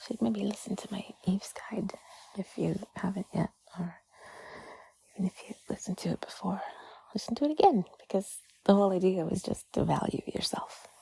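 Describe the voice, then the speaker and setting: Breathy, husky whispering woman. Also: medium pitch, rough recording. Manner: soothing, gently reassuring, drawn-out pauses. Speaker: audio creator speaking to the listener. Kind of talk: intimate whispered ASMR comfort talk.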